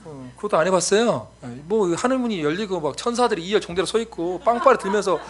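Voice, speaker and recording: A man in his forties, a missionary preacher giving a sermon, telling stories with lively acted-out voices. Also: high-pitched, fast talker. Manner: animated storytelling, acts out voices.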